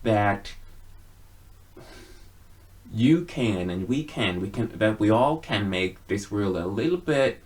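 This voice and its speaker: A man giving a casual personal monologue to viewers in an earnest, halting way, with frequent pauses. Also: fairly low pitch, expressive, darkish tone. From Sweden. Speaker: video blogger.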